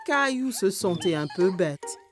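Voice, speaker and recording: A woman's voice: medium pitch, animated, a little slow, soft background music. A woman narrating a scripted children's cartoon story.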